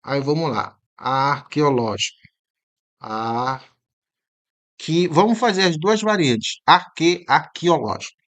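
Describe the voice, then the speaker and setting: A man teaching an exam-prep lesson with a somewhat raised voice. He talks in a chatty, emphatic way, keeps checking in with the viewer with little tag questions, and says key words slowly and more than once to show how they sound. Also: on the high side, a bit bright.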